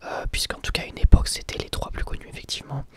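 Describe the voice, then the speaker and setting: A man whispering softly in an ASMR question-and-answer video, pausing often on hesitant fillers. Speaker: ASMR channel host.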